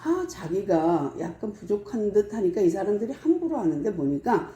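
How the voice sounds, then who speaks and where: A woman pastor preaching a sermon, telling the story in a lively way and acting out the scenes. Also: mid-range voice, moderate pace, roomy sound.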